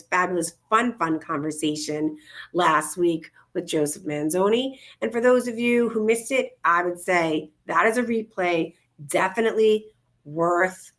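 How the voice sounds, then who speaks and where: A woman's voice: fairly low pitch, a bit bright. A woman co-hosting a casual livestream talk show from home on a video call, bubbly and gushing. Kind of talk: casual upbeat livestream chat. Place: home, indoors, in Florida.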